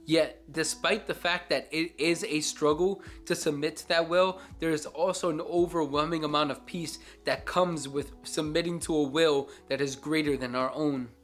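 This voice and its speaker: A man's voice: a little high, a bit bright. Earnest man reviewing a Christian book. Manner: earnest, reflective, preacherly.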